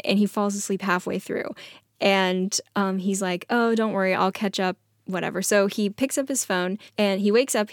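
A woman's voice: mid-range voice, no echo. Giggly woman telling stories, dry close sound. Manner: giggly, amused, quotes dialogue as she goes. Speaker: podcast co-host telling stories. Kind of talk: casual anecdote-telling chat.

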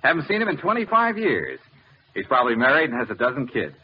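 An actor playing a breezy, wry detective-for-hire in 1940s radio style. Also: male voice, medium pitch, wildly swooping pitch, fast talker. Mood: amused. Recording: muffled old radio with faint noise.

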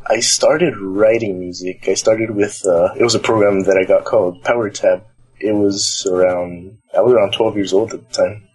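A young adult from the Los Angeles area of California rambles casually as an interview guest in a nearly empty library. His fairly low voice has a darkish tone, a breathy edge, fairly even intonation and a moderate pace, on a low-quality recording.

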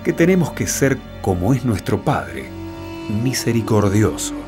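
A man's voice: lowish voice, huge pitch swings, a little slow. A man presenting a radio show in a scripted narration style. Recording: clear music bed behind the voice.

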